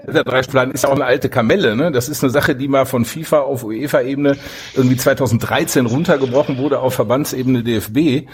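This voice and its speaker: A man's voice: medium pitch, quick pace, a little hiss or hum. A man talking as a lawyer in a conversational discussion, explaining at length in a discursive way. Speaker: lawyer, podcast guest.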